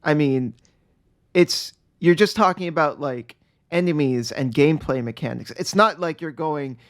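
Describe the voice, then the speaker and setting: Animated man chatting on a podcast. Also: fairly high pitch. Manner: animated, laughing, quick restarts. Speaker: podcast co-host. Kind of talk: casual chat.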